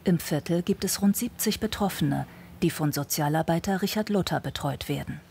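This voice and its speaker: A woman narrating a documentary in a calm, measured, scripted way. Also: lowish voice, gravelly, slight background noise.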